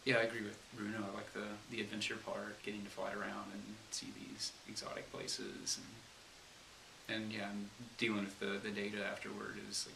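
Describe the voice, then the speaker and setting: A man from Texas gives short, plain answers with frequent "uh"s. His low, flat voice is gravelly and bright. He sits slightly back from the mic in an echoey room with a faint hiss. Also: moderate pace, recorded from a distance. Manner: brief, plain answers with fillers. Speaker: aerospace engineer. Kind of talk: interview answers.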